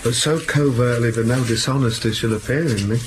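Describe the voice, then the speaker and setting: A man's voice: medium pitch, a little fast, heavy background noise, close to an everyday voice. A man voicing a sly, whispering henchman. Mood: scheming. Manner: conspiratorial, dropping into whispers. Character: sly scheming male henchman, cunning and persuasive. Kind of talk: Shakespearean stage play reading.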